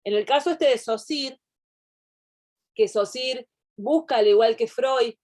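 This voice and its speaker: A woman's voice: a little high, measured pace, darkish tone. Woman lecturing. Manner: digressive, explanatory, thinks aloud. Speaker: university teacher. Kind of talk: online class lecture.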